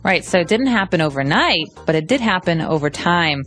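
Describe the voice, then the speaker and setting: A woman's voice: on the low side, lively intonation, a little fast, fairly bright tone. A woman co-hosting an English lesson podcast, explaining phrases with examples. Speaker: co-host, English teacher. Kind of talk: language lesson podcast chat.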